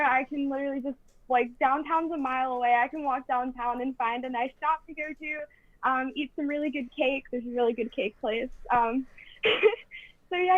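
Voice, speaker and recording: A woman's voice: high voice, no room sound, phone-quality sound. A young woman from North Carolina, a student panelist speaking cheerfully on a video call, with fillers like um and like. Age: young adult. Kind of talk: casual Q&A answers.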